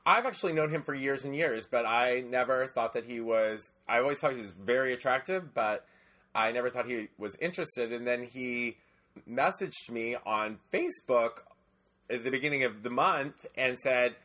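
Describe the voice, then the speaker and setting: A man's voice: medium pitch, moderate pace, pushed and bright. A man in his forties co-hosting a podcast, chatting casually and dishing with campy slang. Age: 40s. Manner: chatty, dishy banter with drag slang. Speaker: podcast co-host. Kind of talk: casual chat.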